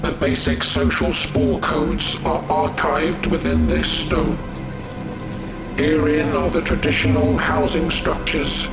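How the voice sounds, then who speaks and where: An actor voicing a calm, eerie alien who explains its species in a formal, detached, measured monologue for a game cutscene. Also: male voice, on the high side, gravelly. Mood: detached, solemn. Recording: echoing voice under loud music.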